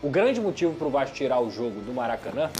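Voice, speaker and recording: A man with a Brazilian Portuguese accent giving an animated, opinionated football analysis in a studio sports debate. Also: medium pitch, quick pace, soft background music. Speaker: sports commentator.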